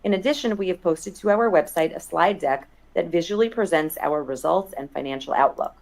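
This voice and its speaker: A woman's voice: lowish voice, lively intonation, brisk, creaky, a little mellow. A woman executive in investor relations, reading a formal scripted statement on an earnings conference call.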